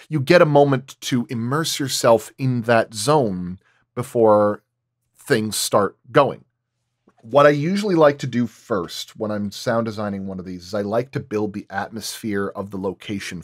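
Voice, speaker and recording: A man's voice: lowish voice, no room sound, studio quality. A man working as a sound designer explains his craft in detail in a roundtable discussion.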